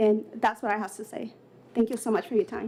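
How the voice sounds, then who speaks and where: This woman speaks with a non-native accent. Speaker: state representative testifying. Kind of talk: legislative testimony. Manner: halting, many repetitions.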